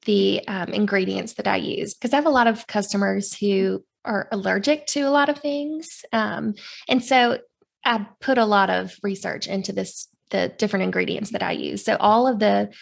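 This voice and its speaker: A woman's voice: medium pitch, steady tone, normal speed, gravelly. A woman in her thirties, a candle maker, talking casually in an interview with lots of fillers and easy laughs. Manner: chatty, friendly, frequent fillers and laughs.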